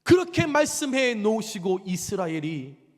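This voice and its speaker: A man's voice: high voice, big pitch swings, moderate pace, big-room sound. A male senior pastor preaching a sermon in an emphatic, conversational way, using rhetorical questions. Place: church sanctuary.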